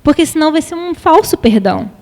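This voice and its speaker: A woman's voice: high-pitched, animated, fast, a little mellow. A Brazilian woman giving a public talk on emotional education, speaking conversationally and putting questions to the audience. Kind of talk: public lecture with anecdotes. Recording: long hall reverb.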